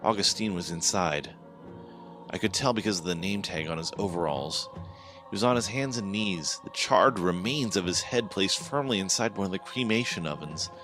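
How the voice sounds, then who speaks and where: A man's voice: low voice, expressive, normal speed. A man narrating a first-person horror story in a tense, dramatic manner over background music. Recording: music playing behind.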